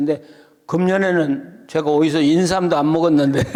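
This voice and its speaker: A man's fairly high-pitched, fairly quick speech amid noticeable background noise. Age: 80s+. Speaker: pastor. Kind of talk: sermon. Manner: animated. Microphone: no microphone.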